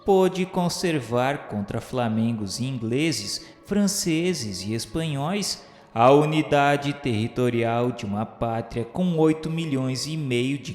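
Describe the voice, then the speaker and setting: A Brazilian man narrating a scripted radio drama in a solemn, grandiloquent, measured manner. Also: medium pitch, a little mellow. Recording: echoey hall reverb with faint music.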